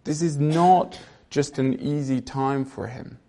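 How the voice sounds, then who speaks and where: A man's voice: mid-range voice, takes it slowly, creaky, warm tone. A young Irish man preaching a conversational sermon, reading a psalm and telling a story from his childhood. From Ireland. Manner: earnest, conversational preaching with personal stories.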